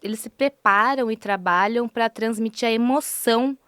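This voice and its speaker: A woman's voice: fairly high pitch, moderate pace, fairly bright tone, smooth, no echo, clean studio sound. Curious young Brazilian woman host. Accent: Brazilian Portuguese. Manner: curious, conversational, explains terms for listeners. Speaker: journalist host. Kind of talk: podcast interview questions. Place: podcast studio.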